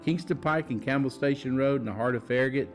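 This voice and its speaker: A man reading a local jeweler's radio ad in a sincere sales pitch. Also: fast, faint music behind. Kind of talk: radio ad read.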